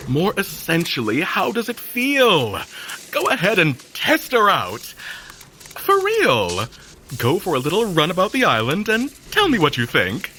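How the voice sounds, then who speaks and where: An actor playing an effusive, theatrical, flamboyant fashion designer in an audio drama. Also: male voice, a little high, sharp tone, slight background noise, full character voice, low-quality recording.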